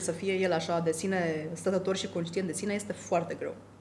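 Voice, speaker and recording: A woman speaks somewhat breathily at a moderate pace, in a monotone, flat intonation. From Romania, Constanța county (Tatar community). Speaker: entrepreneur. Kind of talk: interview.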